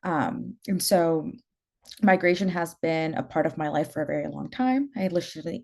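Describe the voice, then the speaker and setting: Low, gravelly woman from El Salvador. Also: darkish tone. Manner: thoughtful, hesitant with frequent fillers. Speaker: panelist, community organizer. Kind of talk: panel discussion.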